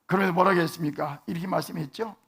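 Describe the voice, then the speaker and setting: A man's voice: sits high, steady tone, rapid-fire, vocal fry, a bit bright, slightly rough. A male pastor preaching a sermon in a conversational way, often asking the congregation questions. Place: church sanctuary.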